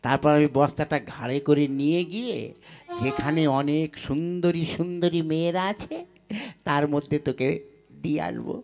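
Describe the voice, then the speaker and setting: A man performs a crafty young village trickster in a comic puppet play. He coaxes and brags in rough, colloquial speech. Music plays behind the voice. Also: a little high, moderate pace, close to an everyday voice. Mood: wheedling. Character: sly scheming young village rogue, boastful trickster.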